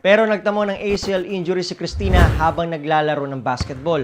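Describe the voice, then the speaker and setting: A man's voice: high voice, steady tone, fast talker, background noise. A man with a Filipino accent reading scripted documentary narration as a reporter. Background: music bed.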